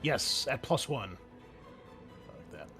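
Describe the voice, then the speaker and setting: A man's voice: mid-range voice, big pitch swings, slow pace, music in the background. A man working as game master, narrating and refereeing a tabletop roleplaying game in a casual way.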